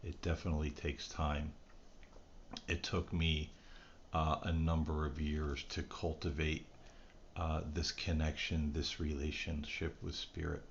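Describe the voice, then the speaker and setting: Very deep-voiced man, casual and earnest. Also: level tone, measured pace. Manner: earnest, rambling, conversational. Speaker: host of a spirit recording channel. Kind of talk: casual, reflective talk to camera. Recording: dull lo-fi sound with background noise.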